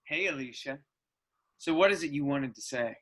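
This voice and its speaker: An actor playing a polite, bemused man in a comedy sketch, awkward and halting in his delivery. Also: medium pitch, expressive, a bit bright, close to an everyday voice. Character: polite, bemused young man being serenaded. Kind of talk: virtual staged comedy sketch reading.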